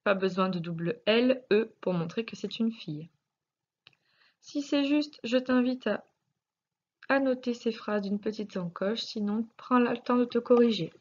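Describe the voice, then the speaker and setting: Woman, French accent, primary teacher, slow unhurried delivery, patient, syllable-by-syllable, dull lo-fi sound. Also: on the high side. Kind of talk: recorded spelling lesson correction.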